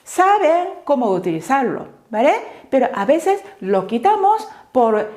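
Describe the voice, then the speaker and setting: Woman, Japanese native speaker, language teacher, slow, animated intonation. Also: high-pitched. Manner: slow, careful explanations with frequent "¿vale?" checks. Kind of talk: online language lesson.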